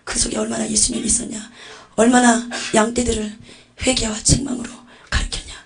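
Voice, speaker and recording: A woman's voice: fairly high pitch, flat delivery, brisk, vocal fry, crowd noise. A woman giving a religious testimony, telling visions in a breathless, vivid way with whispered asides. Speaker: testimony speaker.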